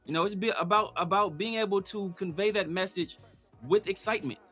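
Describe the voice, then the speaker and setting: A high-voiced man with a sharp, bright tone, hosting a casual sports talk show. He argues his points with emphasis and talks over his co-host. Faint music plays behind him. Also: a little fast. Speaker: podcast host.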